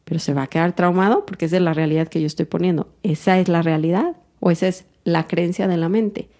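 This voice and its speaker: A woman speaks in a calm, introspective podcast monologue. Her voice is mellow and sits a little low. She works through her feelings in an unhurried, thoughtful way. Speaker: podcast host.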